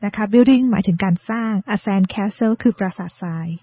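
Husky woman teaching on radio. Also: mid-range voice, muffled recording. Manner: patient, explains words slowly and spells out pronunciation. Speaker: co-host teaching English vocabulary. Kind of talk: radio English lesson.

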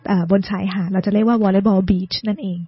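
Husky woman teaching on radio. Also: mid-range voice, flat delivery, no room sound, highs cut off. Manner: patient, explains words slowly and spells out pronunciation. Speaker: co-host teaching English vocabulary. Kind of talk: radio English lesson.

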